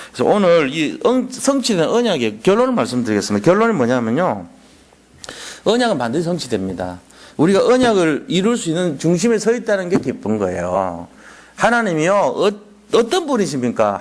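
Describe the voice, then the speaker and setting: Animated preaching man, lively pitch. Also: brisk. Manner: animated preaching that drops to soft low asides and acts out quoted voices. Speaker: pastor. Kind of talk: sermon.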